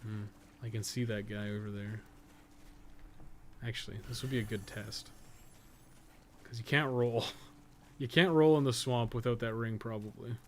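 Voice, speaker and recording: A man's voice: medium pitch, fairly even intonation, moderate pace, long pauses. Man thinking aloud over noisy game commentary. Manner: rambling, thinking aloud, mild swearing. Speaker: podcast co-host playing a video game. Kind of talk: casual off-the-cuff game commentary.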